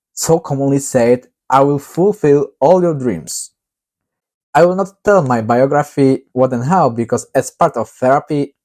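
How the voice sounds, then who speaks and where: Mellow man reading his novel. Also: medium pitch. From Poland. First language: Polish. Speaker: author.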